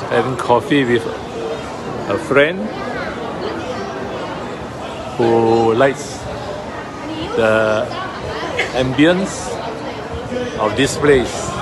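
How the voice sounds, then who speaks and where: Crowd noise fills the background as a man speaks at a very slow pace. His pitch variation is ordinary, and he takes long, frequent pauses. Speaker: amateur travel vlogger. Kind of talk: casual vlog narration. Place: market. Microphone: phone near.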